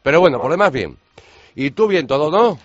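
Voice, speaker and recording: A man's voice: fairly high pitch, lively intonation, brisk. A man with a Castilian Spanish accent hosting a radio chat, his voice nasal and stuffed up with a cold. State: has a heavy cold. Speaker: radio show host. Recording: slightly dull, roomy radio audio.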